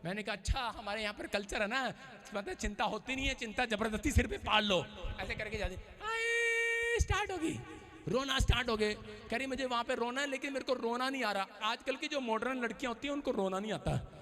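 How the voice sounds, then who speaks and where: A man preaching a Hindi-language Pentecostal sermon in a church, telling stories and shouting commands against evil spirits. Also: extremely high pitch, fairly quick. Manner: animated, storytelling, shouts deliverance commands. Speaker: pastor. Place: church hall.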